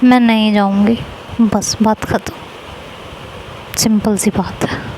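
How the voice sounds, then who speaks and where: A woman's voice: medium pitch, fairly even intonation, slow, background noise, close to an everyday voice. Insecure young wife, put on by a female narrator, pleading and stubborn, amateur audio story. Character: tearful insecure young wife, self-doubting.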